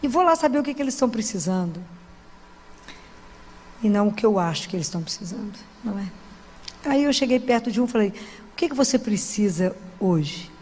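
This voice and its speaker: A woman's voice: a little high, quick pace, pauses often, slight background noise. A Brazilian woman giving a conversational sermon in a church, telling stories and often checking in with her listeners. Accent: Brazilian Portuguese. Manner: conversational, animated storytelling with frequent "né?". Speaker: preacher. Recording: long reverb of a church hall.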